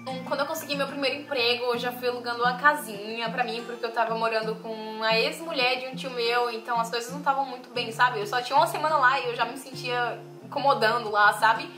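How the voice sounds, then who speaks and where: A young woman from Bahia with a softened Bahian accent, telling her life story to viewers in a confiding, emotional vlog. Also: fairly high pitch, fairly even intonation, fast talker, roomy sound, over music. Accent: softened Bahian Portuguese. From Bahia, Brazil. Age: young adult. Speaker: vlogger.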